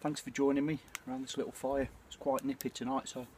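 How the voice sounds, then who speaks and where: A British man in his forties chatting casually and reflectively to camera, with a hesitant, throat-clearing delivery. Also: medium pitch, little pitch movement, fast talker, darkish tone. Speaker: bushcraft vlogger. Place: outdoors at night by a small campfire. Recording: clear ambient noise of an outdoor campfire.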